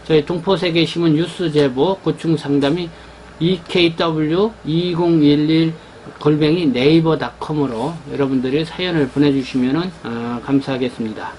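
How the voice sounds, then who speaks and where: Halting Korean man presenting a newspaper. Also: on the high side, fairly even intonation, darkish tone, a little hiss or hum, low-quality recording. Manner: halting, many fillers and restarts. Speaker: newspaper editor presenting the issue. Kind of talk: unscripted newspaper rundown.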